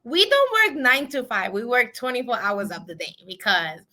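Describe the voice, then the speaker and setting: Excitable woman co-host, giggly, fairly high voice with a bright edge, casual chat. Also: moderate pace. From Puerto Rico, raised in the Bronx. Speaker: co-host, travel agent.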